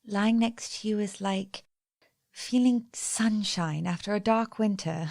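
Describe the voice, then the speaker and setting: A woman playing a loving young fiancée, soft and intimate, in a radio play. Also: mid-range voice, slow, gravelly, no echo, studio quality. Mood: tender.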